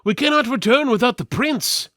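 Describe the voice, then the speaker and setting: A man's voice: animated, normal speed, sharp tone, dry recording, clean studio sound, heavily acted. A man voicing an anxious, servile royal steward in a theatrical fantasy reading, given to dramatic warnings. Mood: flustered, alarmed. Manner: high-pitched, fretful, dramatic.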